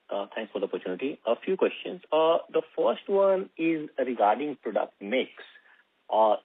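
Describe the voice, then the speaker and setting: Halting male analyst on a phone line. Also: fairly low pitch, no echo. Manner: halting, hedging, circling delivery. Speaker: financial analyst caller. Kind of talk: asking questions on earnings call. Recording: dry, narrow telephone line.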